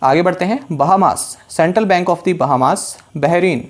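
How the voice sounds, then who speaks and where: Slow, deliberate male teacher reading a list. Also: sits high. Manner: reads out a list slowly, stressing key items. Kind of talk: exam-prep lesson.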